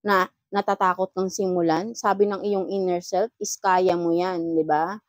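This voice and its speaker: A woman's voice: medium pitch, steady tone, moderate pace, no echo. A woman giving a casual tarot reading, chatty and advising, often ending phrases with little questioning tags. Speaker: tarot reader.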